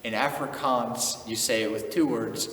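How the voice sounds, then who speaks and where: Recorded from a distance in an echoey room with faint background noise, a young man from the United States talks casually on his channel. Relaxed and chuckling, he sprinkles in Afrikaans phrases, his mid-range voice steady, unhurried, and fairly bright.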